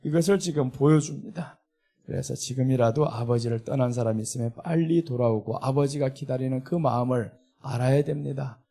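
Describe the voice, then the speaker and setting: A man's voice: medium pitch, a little fast, creaky, dark tone. A middle-aged man preaching a sermon as a pastor, earnest and emphatic, with a Seoul Korean accent. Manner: earnest preaching, rising when voicing indignation.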